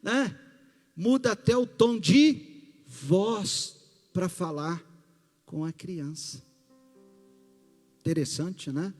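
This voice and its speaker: A male pastor with a Brazilian Portuguese accent, preaching a sermon in a slow, emphatic way with rising bursts. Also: high-pitched, a little mellow. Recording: long hall reverb with faint music.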